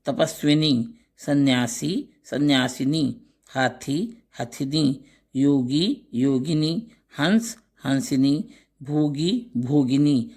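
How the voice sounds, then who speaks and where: A man teaching a grammar lesson, slowly reciting pairs of words one by one and adding short explanations. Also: fairly high pitch, darkish tone. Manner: slow, deliberate recitation of word lists with brief explanations.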